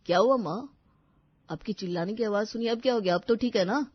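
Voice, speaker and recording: A woman voicing a patient young man who reasons with his mother in an animated story. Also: mid-range voice, a little fast, breathy edge, no room sound, muffled recording, close to an everyday voice. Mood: reasoning. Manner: calm, reasoning, placating. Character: grown son, patient young husband.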